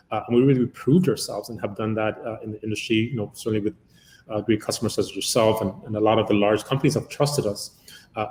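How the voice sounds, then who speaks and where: A man's voice: lowish voice, darkish tone, a little hiss or hum. Chatty man from Uganda, roomy sound. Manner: long-winded, many "uh" fillers. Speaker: guest, company founder. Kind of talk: conversational interview answer.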